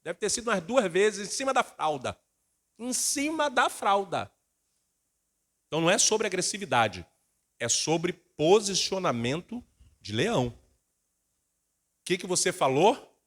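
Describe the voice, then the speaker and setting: A middle-aged male pastor preaching a sermon, acting out family members' voices in lively bursts. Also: sits high, a little slow, pauses often.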